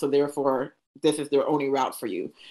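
A woman talks at a very fast pace. The background is quiet. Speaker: nonprofit executive director moderating panel. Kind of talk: panel interview. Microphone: video call.

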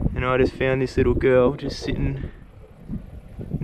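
Against noticeable background noise, a voice with an Australian accent talks at a moderate pace, the sound dry with no echo. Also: man. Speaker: wildlife vlogger. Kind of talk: outdoor vlog narration. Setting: outdoors. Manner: casual. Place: open country. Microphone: phone near.

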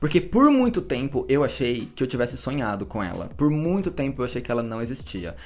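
At a moderate pace, a man speaks in an animated tone at a medium pitch. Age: 20s. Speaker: entertainment youtuber. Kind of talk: casual chat.

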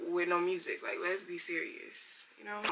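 An unremarkable speaking voice from a woman, fairly low in pitch, fairly slow and fairly even in intonation, with light background noise. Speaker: lifestyle vlogger. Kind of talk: casual vlog chat. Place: home room. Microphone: camera far.

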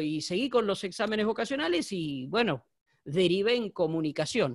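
Lively intonation colors a man's talking over a quiet background. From Argentina, Buenos Aires province (Puan); Buenos Aires province, Argentina. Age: 50s. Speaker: sports journalist. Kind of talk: talk with Q&A; interview answer. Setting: video call. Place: home room. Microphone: video call.

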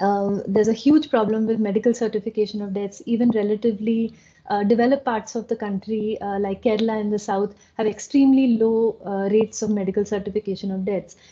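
A woman's fairly high, somewhat breathy voice with a dark, mellow tone and fairly even intonation, very fast, amid noticeable background noise. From India. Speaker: data journalist and author; data journalist. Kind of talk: presentation. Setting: video call. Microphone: video call.

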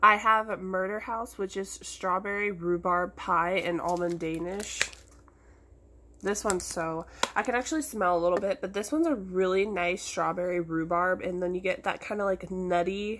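A woman talks at a moderate pace in a bright, sharp tone. Her intonation stays fairly even. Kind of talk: casual product review chat. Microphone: phone near.

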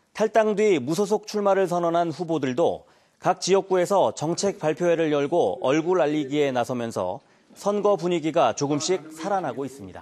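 Ordinary pitch variation in a man's high voice, at a moderate pace. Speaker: news anchor. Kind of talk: news reading. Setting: studio. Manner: formal.

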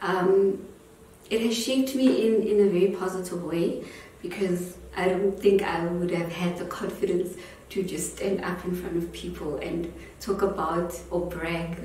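With fairly low pitch and fairly even intonation, a woman speaks over light background noise and audible room echo. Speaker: primary school teacher. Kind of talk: interview answer. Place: studio.

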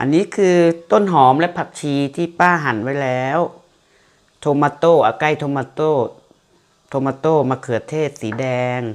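A woman's very deep, low pitch with ordinary pitch variation. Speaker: home cooking host. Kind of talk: cooking tutorial. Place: kitchen.

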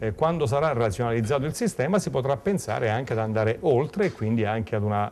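A man's medium-pitched voice at a very fast pace with hardly any pauses, over light background noise. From Abruzzo, Pescara; Abruzzo. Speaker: regional politician. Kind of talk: interview; interview answer. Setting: restaurant. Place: cafe.

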